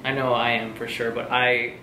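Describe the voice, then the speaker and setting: A young American man chats informally as co-host of a vlog. His delivery is conversational. The recording is roomy and echoing, with clear noise in the background. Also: mid-range voice, little pitch movement, normal speed, sharp tone. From Texas, United States. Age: young adult. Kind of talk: casual chat.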